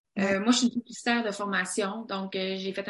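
Delivered in a monotone, flat intonation, the speech goes along at a fairly quick pace. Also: woman. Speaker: entrepreneur and cookbook author. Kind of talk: podcast interview.

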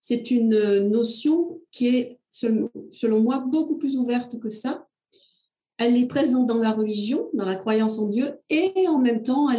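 A woman with a high voice and a dark, mellow tone talks at a fairly slow pace, her pitch varying in an ordinary way. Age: 60s. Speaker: psychotherapist. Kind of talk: interview. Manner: halting.

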